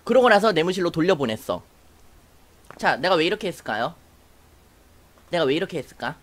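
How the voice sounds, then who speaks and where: A young woman telling a personal story to camera in a casual, animated way, acting out what others said. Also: on the low side, fairly quick. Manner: animated, acts out quoted voices, laughs while telling. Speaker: YouTuber.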